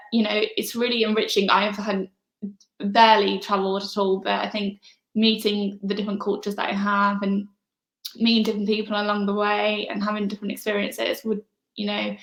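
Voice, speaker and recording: A woman answering interview questions in a relaxed, casual way, soft-spoken with frequent pauses and fillers. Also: medium pitch. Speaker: interview guest. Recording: echoey room.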